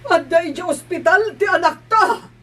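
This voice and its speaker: A woman acting in a homemade melodrama, crying and shouting her lines, sometimes laughing through them. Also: very high-pitched, a little slow, recorded from a distance, crowd noise.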